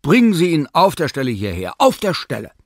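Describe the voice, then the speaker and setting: A man voicing an excitable, commanding older male professor who gives orders in an agitated, lively way. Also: on the high side, a little fast, no echo, studio quality, voice pushed up.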